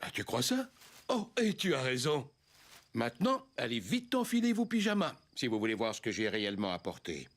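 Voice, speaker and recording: A man's voice: medium pitch, huge pitch swings, fairly quick. A man playing a kindly, teasing old grandfather in a children's cartoon, explaining things playfully.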